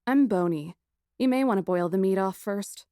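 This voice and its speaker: A woman playing a feisty, sarcastic young white mage in an audiobook, defiant, sharp-tongued and scornful. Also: medium pitch, expressive, moderate pace, clear, resonant tone, no room sound, clean studio sound, natural voice. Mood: sarcastic defiance. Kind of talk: audiobook dialogue acting.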